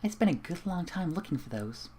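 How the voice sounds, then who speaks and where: A man voicing a gentle, shy female pegasus pony in a soft, timid, kind way. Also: fairly high pitch, big pitch swings, fairly quick, a little hiss or hum, voice pushed up. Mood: pleased.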